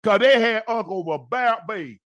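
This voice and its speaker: High-voiced man telling casual stories, dry sound. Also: lively intonation, normal speed, a bit bright, dry recording, highs cut off. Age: 50s. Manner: repeats phrases and calls out to his co-host for emphasis. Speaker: podcast host. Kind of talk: animated casual storytelling.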